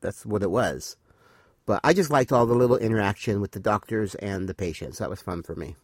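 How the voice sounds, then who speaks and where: Co-host recapping an episode, loose and rambling, dead dry sound. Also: male voice, lowish voice, brisk, dry recording. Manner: rambling, full of fillers. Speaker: podcast co-host. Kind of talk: casual chat reviewing a TV episode.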